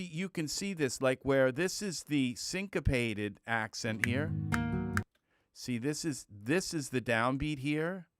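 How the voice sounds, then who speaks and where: Slow, clear-voiced man explaining software. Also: medium pitch, no room sound, clean studio sound. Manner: thinking aloud, loose and chatty, with sound-word beats. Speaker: music tutorial host. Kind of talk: screen-recorded software tutorial.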